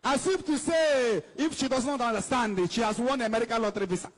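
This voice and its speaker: High-voiced Nigerian preacher in an echoing hall. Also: male voice, fast talker. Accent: Nigerian English. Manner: scolding, emphatic, repeats phrases. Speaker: evangelist. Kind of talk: preaching to a congregation, switching between English and Igbo. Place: church hall with an altar. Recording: long hall reverb.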